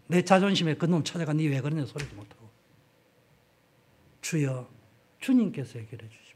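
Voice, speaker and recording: A middle-aged pastor from South Korea's Gyeongsang region preaches a sermon in his local Korean accent, his voice husky and slightly high. He talks frankly and conversationally, acting out the dialogue in his stories with sudden jumps in loudness.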